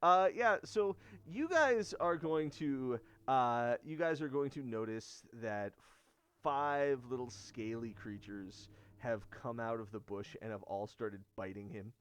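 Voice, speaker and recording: A man narrating as game master of a tabletop game, animated and quick to laugh. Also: medium pitch, clean tone.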